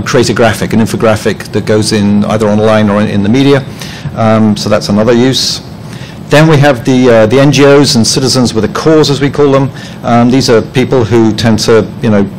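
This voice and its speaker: In a conference room, a medium-pitched male presenter who heads publishing stumbles through his talk with lots of ums and restarts, adding dry jokes at his own expense. The audio is poor, with slight background noise.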